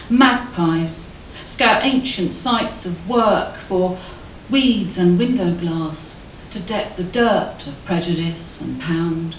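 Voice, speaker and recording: Over noticeable background noise and audible room echo, a woman with a Cornish accent speaks very slowly at a medium pitch, her intonation lively and her loudness swinging widely. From Cornwall. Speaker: performance poet. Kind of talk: poetry reading.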